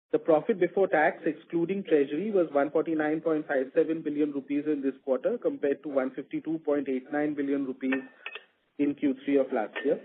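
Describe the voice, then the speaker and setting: Male corporate presenter, Indian accent, rough-edged voice, formal scripted delivery, thin telephone sound. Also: a little high. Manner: formal, methodical reading of figures. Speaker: bank executive presenting quarterly results. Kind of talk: scripted earnings call presentation. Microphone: telephone conference line. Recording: muffled narrow phone-line conference call.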